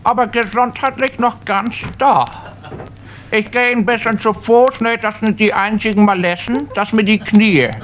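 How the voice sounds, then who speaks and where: A boastful old man with a high, thin voice, as a male comedian puts him on. He drawls in a manner, ending each line with a tag. A faint murmur of the club sits behind him. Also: steady tone, normal speed, a bit bright, a little hiss or hum. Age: older. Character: creaky old man boasting of his health.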